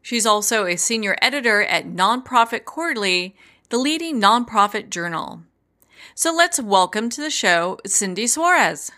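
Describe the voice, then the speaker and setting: A woman's voice: mid-range voice, very animated, normal speed, sharp tone. A woman host reading a scripted show introduction in an upbeat, welcoming manner. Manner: upbeat, welcoming announcer delivery.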